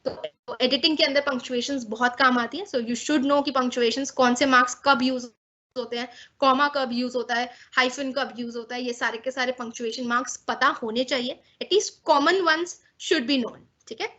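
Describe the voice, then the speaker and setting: A woman's voice: high-pitched, fairly even intonation, moderate pace, bright, forceful tone. A young woman teaching English grammar in a mix of Hindi and English, explaining patiently and checking in often with her students. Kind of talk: online class lesson, mixing Hindi and English. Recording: slightly dull lo-fi audio.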